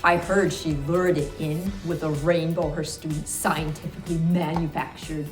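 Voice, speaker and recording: A woman playing an earnest, excitable Red Riding Hood, announcing a fairy tale fashion show in a theatrical skit style. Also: sits low, normal speed, close to an everyday voice. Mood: chirpy. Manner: theatrical, animated. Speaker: co-host. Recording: roomy echo, music behind.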